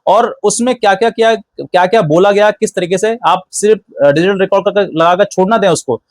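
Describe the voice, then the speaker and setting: A man's voice: high-pitched, a little fast, dry recording. A man hosting an informal legal explainer, going step by step, often rephrasing himself and dropping in English legal terms. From India. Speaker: legal advice channel host.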